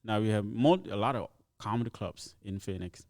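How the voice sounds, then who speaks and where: A man's voice: on the low side, a little fast, a little mellow, no room sound, studio quality. A young man from Ethiopia, chatting easily as a comedian guest on a podcast and laughing often. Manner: easygoing storyteller, laughs often. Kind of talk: casual podcast chat.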